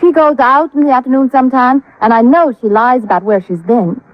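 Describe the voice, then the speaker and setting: A woman's voice: high-pitched, brisk, no echo, close to an everyday voice. An actress playing a genteel, evasive young woman from an old family in 1950s radio drama style, hesitant and confiding. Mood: suspicious. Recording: dull lo-fi old radio recording.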